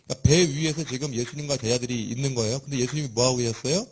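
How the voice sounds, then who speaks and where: A man preaching a sermon in a lively, conversational and humorous way, with a husky voice. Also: mid-range voice, very fast.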